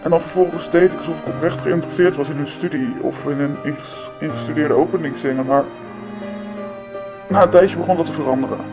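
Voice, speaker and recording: Woman playing anonymous girl in her 20s spilling a secret, voice disguised deep and pitch shifted, music going underneath. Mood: confessional. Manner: hesitant, halting confessional. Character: anonymous young woman confessing, hesitant. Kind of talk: confessional documentary interview.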